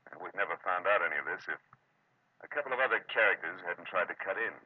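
A man's voice: deep voice, expressive, fast, husky, no echo. An American man acting a wry, world-weary private detective in a terse, hard-boiled 1940s radio drama style. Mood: matter-of-fact, wry. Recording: muffled, noisy vintage radio recording.

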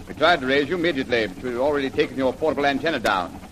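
An actor playing a clipped, authoritative army colonel who gives orders in a 1930s radio drama. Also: male voice, mid-range voice, animated, very fast, close to an everyday voice. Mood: measured. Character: commanding army colonel leading tank squadron. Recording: faint hiss of an old radio recording.

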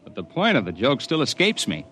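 An actor playing a mountain climber who narrates the story and trades wry jokes, in a radio drama. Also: male voice, mid-range voice, wildly swooping pitch, fairly quick, sharp tone, breathy edge, heavily acted. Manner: wry, joking.

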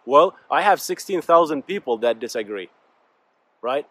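A man's voice: on the high side, expressive, moderate pace, fairly bright tone, dry recording. A man whose first language is Arabic, speaking English in a casual, earnest, rambling motivational monologue to his viewers. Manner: rambling, earnest, often addresses listeners as "guys". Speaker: YouTuber and podcast host.

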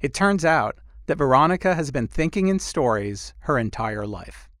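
A man's voice: mid-range voice, very animated, normal speed, fairly bright tone, no echo, clean studio sound. A man hosting a podcast, telling a personal story in scripted narration. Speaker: podcast host.

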